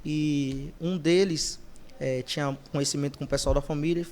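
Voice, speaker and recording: A man with a fairly high voice for his sex tells stories as a guest on a podcast, speaking casually and conversationally. He brings his anecdotes to life by acting out the voices of the people he quotes. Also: normal speed, slight background noise. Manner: lively storyteller who acts out quoted voices. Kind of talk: casual storytelling interview.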